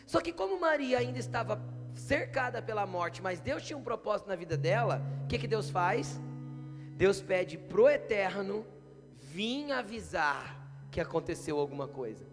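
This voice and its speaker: A man's voice: high-pitched, lively intonation, normal speed. A man preaching a sermon, putting frequent rhetorical questions to the congregation. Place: church hall. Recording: long church hall reverb, faint guitar.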